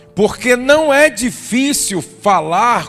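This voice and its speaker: A man's lively intonation over music in the background. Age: 60s. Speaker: pastor. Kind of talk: sermon.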